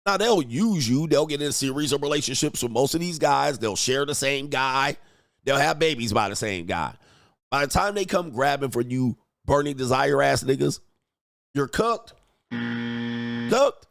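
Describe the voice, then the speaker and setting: Medium-pitched, animated and unhurried with vocal fry, this man's voice comes through a dry, clean studio recording. He comments on clips as a dating coach, mocking and brash, swearing and hitting words with sudden emphatic swells in provocative reactions.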